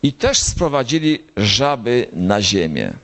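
An older priest preaches at an unhurried pace and speaks as if telling a story. His voice sits at an ordinary male pitch, and he now and then jumps up high to stress a point. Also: sing-song, background noise. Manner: slow storytelling, rising to high emphatic lines. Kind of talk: sermon. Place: gathering of bible circles.

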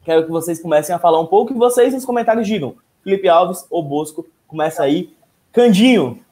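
A man's voice: high-pitched, animated, fairly quick, dark tone. A man in his thirties hosting a casual live sports talk over a video call. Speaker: host. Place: room at home, indoors. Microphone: wired earphone mic on video call.

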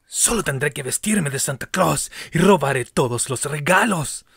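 A man voicing a scheming, gloating cartoon villain in a theatrical, raspy monologue. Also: on the high side, animated, normal speed, a bit bright, no room sound, clean studio sound, full character voice. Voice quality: gravelly, raspy.

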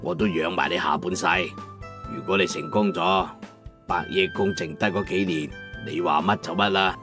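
An actor playing a proud, emotional old master locksmith in an emphatic Cantonese audiobook drama. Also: male voice, low-pitched, fairly even intonation, moderate pace, music in the background, close to an everyday voice. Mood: resolute. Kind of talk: dramatized audiobook character acting.

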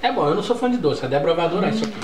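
A man's voice: high voice, animated, racing. A young adult Brazilian man bantering casually as a vlog co-host. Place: home kitchen and living room, indoors. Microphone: camera mic at table distance. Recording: echoey room, distant mic, noisy.

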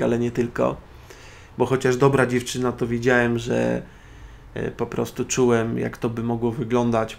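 Gravelly-voiced man giving a sardonic monologue. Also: mid-range voice, a little hiss or hum. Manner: sardonic, opinionated lecturing. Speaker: internet radio host. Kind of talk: solo spoken monologue.

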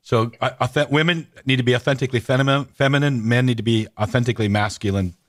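A middle-aged man hosts a radio talk show and chats casually with his guest. He tells stories with animated energy, stopping and restarting his sentences, and his voice sits at an ordinary middle pitch. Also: fast. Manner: animated storyteller, many restarts and fillers. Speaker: host. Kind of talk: casual radio interview chat.

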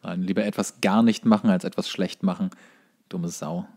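A man's voice: low voice, steady tone, normal speed, darkish tone. A man, co-hosting a comedy podcast with wry, opinionated banter and wordplay. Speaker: podcast co-host. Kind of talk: casual comic banter.

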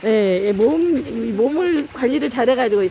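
Standing outdoors beside a snowy stream, a woman with a high, animated voice narrates at a moderate pace while operating a handheld camera, cheering and exclaiming excitedly in a casual vlog. The mic sits behind the camera, and the phone recording is noisy.

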